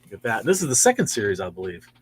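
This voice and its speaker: A man's voice: fairly low pitch, big pitch swings, very fast, slightly rough. Chatty man in his sixties. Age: 60s. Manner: chatty, easily impressed, lots of wows. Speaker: comic shop host. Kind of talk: casual show-and-tell of new comics. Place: comic book store.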